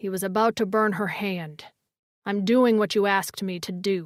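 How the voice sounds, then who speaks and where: A female-sounding voice growls at a middle pitch in a put-on character voice, at a moderate pace. The recording is very clean, with a silent background. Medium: read story. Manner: growling, terse.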